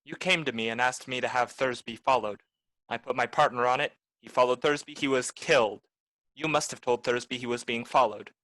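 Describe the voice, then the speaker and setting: A man's voice: medium pitch, fairly quick, a bit bright, dry recording, lightly acted, rough recording. A man playing a cynical, blunt private detective in the manner of 1940s noir radio drama. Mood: accusing. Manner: blunt, accusing, tough. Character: hard-boiled, cynical male private detective.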